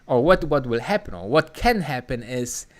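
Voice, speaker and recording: A man's voice: mid-range voice, sing-song, moderate pace. A man from Germany with a German accent, hosting a casual live stream and reading out chat comments, rambling with many fillers and restarts. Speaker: livestream host answering chat.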